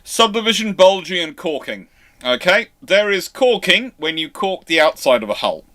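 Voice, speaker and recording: A man hosting an informal live question-and-answer stream, explaining in a rambling, halting way with repeated false starts. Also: high-pitched, big pitch swings, a bit bright. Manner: over-careful emphasis on some words. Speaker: host of live naval history Q&A stream.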